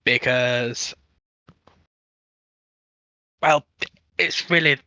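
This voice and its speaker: A man in a casual technical discussion as a panel guest, speaking haltingly as he searches for words. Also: medium pitch, bright, forceful tone, clear, resonant tone, no echo, highs cut off.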